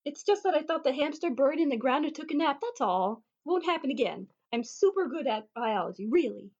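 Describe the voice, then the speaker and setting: A woman voices a naive young wishing star in a fantasy comedy. She sounds high, girlish and ditzy, with a bubbly eagerness and slightly dull audio. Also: expressive, a little fast, a little mellow. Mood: pleading, bubbly.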